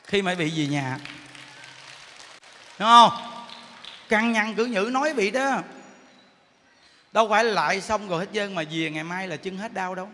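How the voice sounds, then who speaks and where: A man's voice: high-pitched, lively intonation, normal speed, pauses often, bright, forceful tone. A Buddhist monk preaching a live sermon in a temple hall and often addressing his listeners directly. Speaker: Buddhist monk giving a dharma talk.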